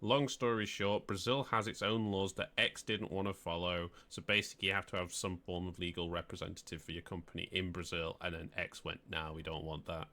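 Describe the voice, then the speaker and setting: A man's voice: deep voice, brisk, hardly any pauses. A man co-hosting a podcast, reading news headlines and chatting about them loosely. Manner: relaxed, reads headlines then chats loosely. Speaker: podcast co-host. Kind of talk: casual chat, reading news items.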